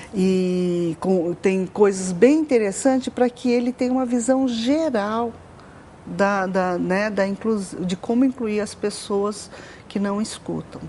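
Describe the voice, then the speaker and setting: This woman's voice sits at a medium pitch with ordinary pitch variation. She talks at a very slow pace. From Brazil, Japanese immigrant family. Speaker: professor. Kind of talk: interview. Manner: halting.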